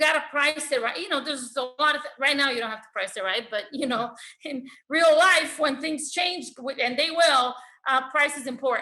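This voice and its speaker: A woman's high-pitched, raised and projected voice, bright and sharp in tone, at a moderate pace with ordinary pitch variation and big swings in loudness. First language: not English. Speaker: real estate sales trainer. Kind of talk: podcast interview.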